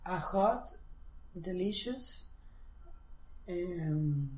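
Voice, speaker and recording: Woman student, unhurried, unsure, lowish voice, roomy echo. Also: expressive, a little mellow. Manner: hesitant, slow, tries words out. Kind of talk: one-on-one language lesson. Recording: echoey room.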